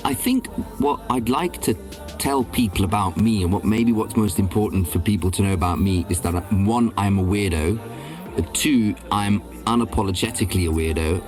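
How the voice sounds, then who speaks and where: Guest: man from Belgium, lowish voice, loose chatty delivery full of ums, faint music bed. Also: moderate pace, a little mellow. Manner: rambling, many ums and restarts. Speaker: guest, voice-over and casting director. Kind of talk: casual interview talk.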